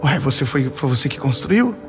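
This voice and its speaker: A young man preaching in Brazilian Portuguese, telling a story and swinging from rising emphasis to low, hushed lines. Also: big pitch swings, moderate pace, faint music behind. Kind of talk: sermon with a story.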